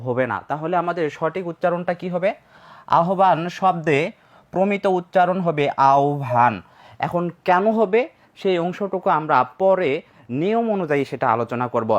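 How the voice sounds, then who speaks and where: Male grammar teacher, a bit high-pitched, lecturing over slides with question-and-answer drills and repeated points. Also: expressive, fairly quick. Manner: asks questions and answers them himself; repeats key points for emphasis.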